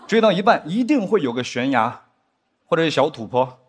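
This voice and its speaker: Animated man doing stand-up. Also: fairly quick, slight background noise. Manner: animated, mimics drama scenes with pitch swings. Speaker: stand-up comedian. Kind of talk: stand-up comedy set. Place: studio stage with live audience.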